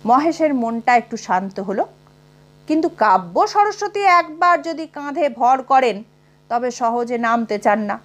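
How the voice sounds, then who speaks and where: A woman narrating a humorous short story in an expressive, dramatic audiobook style. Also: a little high, moderate pace, lo-fi sound. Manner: expressive, with wide rises and falls.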